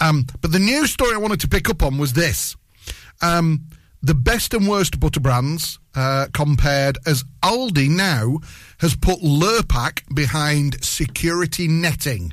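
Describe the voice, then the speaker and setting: A somewhat breathy man with a Lancashire accent, fairly high-pitched, with lively intonation and very even loudness. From Lancashire, northern England (Clitheroe). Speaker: local radio food show host. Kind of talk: casual chat. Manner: animated.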